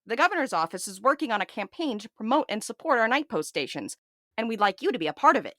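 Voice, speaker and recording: A woman's voice: a little high, very animated, fast, pushed and bright, dry recording. Fussy, officious male aide played by a woman, close and dry. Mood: upbeat, officious. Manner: chirpy, polished public relations patter. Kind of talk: scripted audio drama dialogue.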